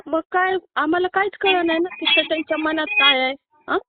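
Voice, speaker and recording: The caller is a woman from Maharashtra with a very high-pitched voice, speaking fairly quickly on a tinny, dry phone line without echo. She's pleading and near tears, pressing a complaint and ending point after point with a questioning tag.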